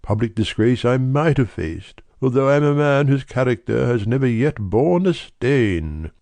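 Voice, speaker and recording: A man's voice: medium pitch, lively intonation, moderate pace, darkish tone, no echo, natural voice. A man voicing a distraught, dignified middle-aged banker pleading his case earnestly. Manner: agitated, earnest, breathless pleading.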